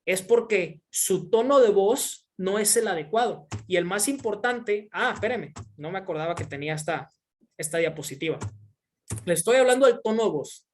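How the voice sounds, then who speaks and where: A woman's voice: mid-range voice, lively intonation, moderate pace, a little mellow. A woman presenting an online sales training webinar, speaking emphatically and stressing single words for effect.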